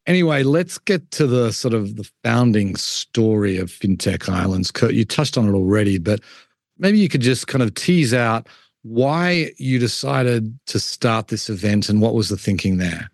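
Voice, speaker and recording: A man hosting a podcast, asking guests relaxed follow-up questions. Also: on the low side, moderate pace, vocal fry, dry recording, clean studio sound. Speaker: podcast host. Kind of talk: podcast interview.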